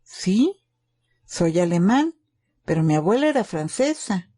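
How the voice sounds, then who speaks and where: A woman's voice: on the low side, sing-song, measured pace, dark tone, husky, heavily acted. A woman voicing a naive young German boy in a wartime story, questioning and hesitant. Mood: hesitant, earnest.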